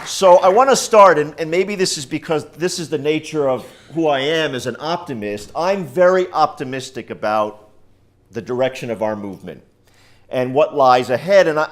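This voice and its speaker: Big-voiced New man giving a speech. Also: fairly high pitch. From New York. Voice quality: big, loud voice. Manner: fervent, optimistic rally speaking. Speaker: keynote speaker. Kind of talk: political speech. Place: university lecture room. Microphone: unamplified voice picked up from the room.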